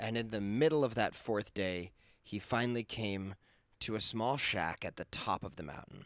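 Natural voice, used for reading

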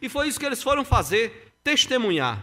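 The man's voice is raised and projected. Its tone is bright and sharp. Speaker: pastor. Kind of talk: sermon, expository preaching from scripture, with direct address to the congregation. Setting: church, streamed online service. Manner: earnest, exhortative, building to emphatic repetition.

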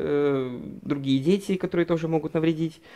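A man's fairly high-pitched voice moves at a moderate pace. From Russia, Murmansk. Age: 20s. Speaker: actor. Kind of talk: personal storytelling. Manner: hesitant, many fillers.

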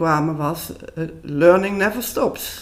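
A woman's fairly low-pitched voice at a fairly slow pace, with ordinary pitch variation and noticeable background noise. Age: 60s. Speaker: retired family doctor. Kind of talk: casual interview.

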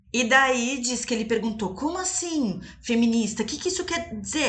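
A woman speaks at a high pitch and moderate pace, her intonation lively, while noticeable background noise carries on. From Brazil, Florianópolis. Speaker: podcaster. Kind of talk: casual chat.

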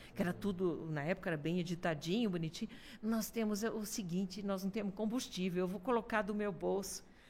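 A woman speaks in an animated tone at a fairly quick pace, her medium pitch moving with ordinary variation. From Curitiba, southern Brazil. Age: 50s. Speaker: television presenter. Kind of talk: casual interview chat.

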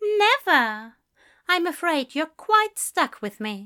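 Woman's put-on character voice, extremely high and bright, sharp in tone, with big pitch swings at a slow pace, on a very clean recording with a silent background

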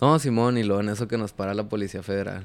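On a very clean recording with a silent background, a man speaks at a fairly quick pace in a fairly low pitch. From northern Mexico, Coahuila (Ciudad Acuña). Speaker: content creator. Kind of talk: casual chat. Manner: halting.

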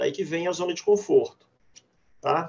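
The man has an ordinary speaking voice, a moderate pace and ordinary pitch variation. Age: 50s. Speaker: hypnotherapist and hypnosis teacher. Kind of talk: lecture. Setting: video call.

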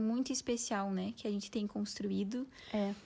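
In a very clean recording with a silent background, a woman talks at a moderate pace in a fairly high, somewhat breathy voice. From southern Brazil, Paraná (Mandirituba). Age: 20s. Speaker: medical resident. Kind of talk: casual chat.

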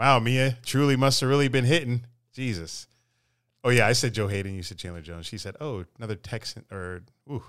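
A man speaks at medium pitch and a fairly quick pace in an animated tone. His pitch varies in an ordinary way while his loudness swings widely. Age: 20s. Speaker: sports podcast co-host. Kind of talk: casual chat; show outro with ad read.

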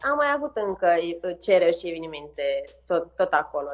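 Music sounds in the background as the woman speaks fairly slowly. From Chișinău, Moldova. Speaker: photographer and mother. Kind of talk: casual interview chat.

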